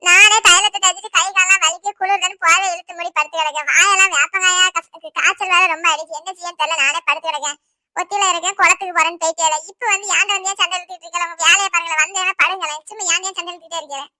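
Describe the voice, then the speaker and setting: A woman voicing an irritable, sick village wife in a cartoon, with a Tirunelveli Tamil accent and a complaining, sharp-tongued manner. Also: fairly even intonation, racing, dry recording, clean studio sound, heavily acted. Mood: aggrieved. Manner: scolding, complaining, shrill. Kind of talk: cartoon voice acting.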